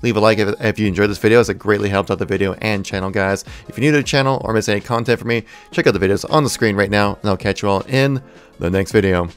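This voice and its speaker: Male gaming channel host, fairly low pitch, informal and keen, light music underneath. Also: fast, smooth. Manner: enthusiastic, informal. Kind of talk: gaming news commentary.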